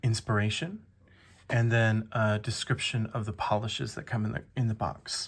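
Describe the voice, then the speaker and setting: At a fairly slow pace, a man with a medium-pitched, somewhat breathy voice speaks with fairly even intonation. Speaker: nail art youtuber. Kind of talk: product unboxing. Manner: hesitant, many fillers.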